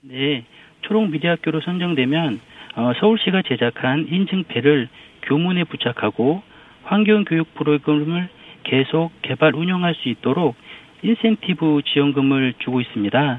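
A man speaks fairly slowly and with lively intonation, his pitch fairly high, while noticeable background noise fills the recording. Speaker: government official. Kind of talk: formal interview answers.

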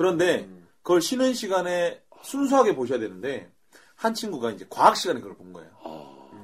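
Very wide pitch swings mark a man's speech, delivered at a moderate pace. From Busan, South Korea. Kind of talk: casual chat, storytelling.

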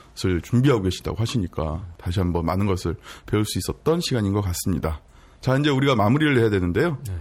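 This very clean recording has a silent background. The speaker goes at a very fast pace with lively intonation. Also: man, fairly low pitch for a man. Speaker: podcast host. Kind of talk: interview.

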